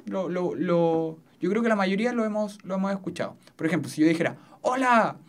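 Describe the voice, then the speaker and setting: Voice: mid-range voice, a little mellow. A teacher giving a recorded physics lesson in a foam-lined studio. They explain step by step and keep checking that the students follow. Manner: explanatory, often checks understanding.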